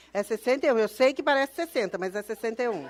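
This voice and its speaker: A woman's fairly high, lively voice at a very fast pace, with crowd noise in the background. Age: 60s. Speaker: conference speaker. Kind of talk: sermon.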